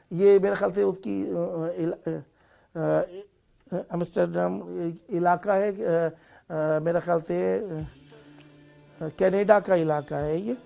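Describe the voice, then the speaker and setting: A man with a high, gravelly yet mellow voice hosts a live television call-in program. He offers blessings when thanking callers, explains matters on air, and sometimes fumbles foreign place names.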